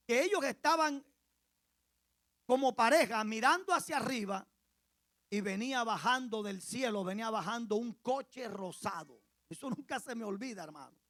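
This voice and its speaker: Man, pastor, Colombian Caribbean accent, sermon, storytelling, repeats for emphasis, soft to loud swings, dry close sound. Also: extremely high pitch, no echo. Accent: Colombian Caribbean Spanish. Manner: passionate preaching that swings from quiet to loud.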